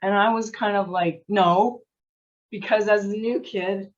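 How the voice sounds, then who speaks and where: Middle-aged woman from Canada, interview guest, chatty and animated with easy laughs, average pitch, dull remote-call audio. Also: measured pace. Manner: lively, chatty, laughs often, many restarts. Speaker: guest, sport psychology coach. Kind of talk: casual interview storytelling.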